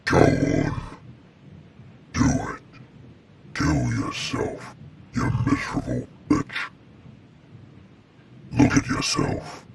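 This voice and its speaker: A cruel unseen demon with a raspy, harsh voice that drags out each word in a contemptuous half-whisper. It sounds extremely deep and gravelly, caught from far off the mic. Loud noise sits under the voice. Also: male voice, huge pitch swings, drawn-out words, pauses often, exaggerated voice. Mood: taunting. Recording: distant, very noisy recording.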